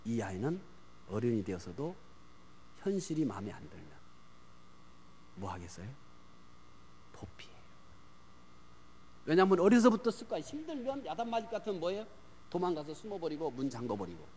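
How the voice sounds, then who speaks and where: A man preaching a sermon on parenting, asking the congregation questions and answering them himself, swinging from loud emphasis to hushed near-whispers. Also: a little high, huge pitch swings, fast, pauses often, slight background noise. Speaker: pastor. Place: church sanctuary. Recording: long church hall reverb.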